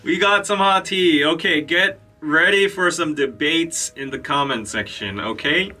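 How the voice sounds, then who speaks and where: Young man, from Korea, podcast host, casual, lots of fillers, bright tone, faint background music. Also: a little high, a little slow, distant mic. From South Korea. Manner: relaxed, chatty, many fillers and restarts. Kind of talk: casual live-stream chat and news reading.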